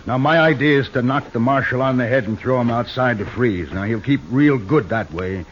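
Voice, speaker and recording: Villain: a gruff, scheming outlaw, muffled old radio recording with faint hiss. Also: male voice, medium pitch, normal speed. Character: ruthless brutish outlaw man, cold and bossy. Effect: old 1950s radio broadcast recording. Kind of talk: 1950s radio drama acting.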